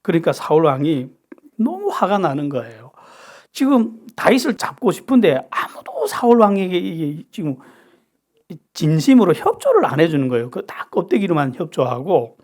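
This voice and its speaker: A pastor from North Korea preaches a Bible-study sermon, often turning to his listeners with rhetorical questions. His intonation is animated and rises and falls widely. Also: on the high side, normal speed. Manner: lively, asks the audience rhetorical questions.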